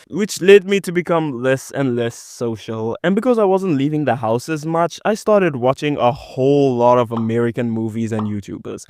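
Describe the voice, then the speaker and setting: A young man from South Africa with a white South African accent, telling a storytime in a joking, animated way with big swings in pitch and loudness. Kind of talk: storytime narration.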